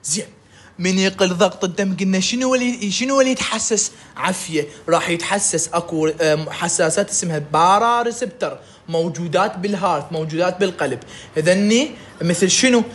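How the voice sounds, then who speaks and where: A man with an Iraqi Arabic accent giving a recorded medical lecture, lively and jokey, often checking in with his students. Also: sits high, a little fast.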